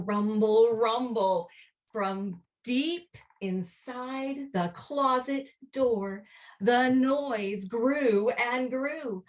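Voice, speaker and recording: A woman reading a children's picture book aloud in an expressive, deliberate storytelling manner, drawing out her words. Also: medium pitch, far from the mic. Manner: animated, drawn-out, deliberate storytelling.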